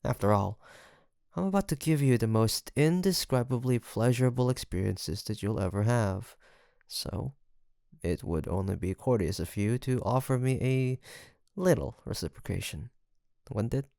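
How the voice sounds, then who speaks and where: A man's voice: medium pitch, lively intonation, moderate pace, creaky, mellow, no room sound, studio quality. A man playing a seductive, teasing incubus demon in an intimate audio roleplay, with a theatrical, flirtatious drawl and a smug, sweet-talking manner.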